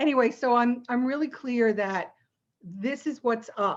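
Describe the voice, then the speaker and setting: Her pitch is fairly high and varies in an ordinary way. She is a woman recorded against a quiet background. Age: 60s. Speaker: network marketing business leader. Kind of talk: interview on a team video call. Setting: video call. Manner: animated.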